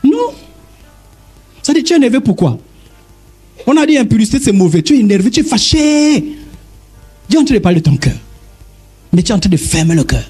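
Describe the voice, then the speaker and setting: Husky-voiced preaching man, animated pitch. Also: fairly quick, pauses often, soft background music. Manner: emphatic preaching, wide pitch swings, direct address. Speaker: pastor. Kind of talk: sermon.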